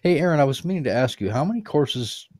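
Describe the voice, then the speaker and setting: A man's voice: fairly high pitch, animated, fast talker, a little mellow, no echo, studio quality. A man hosting a gaming livestream, chatting casually while he plays. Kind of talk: casual chat while playing a golf game. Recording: background noise with keyboard clicks.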